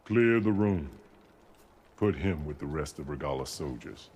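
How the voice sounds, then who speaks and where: An actor playing a grave, noble tribal chief in a video game, speaking formally and solemnly with authority. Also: male voice, rumbling low, animated, unhurried, a little mellow, slight background noise. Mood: commanding. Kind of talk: video game cutscene acting.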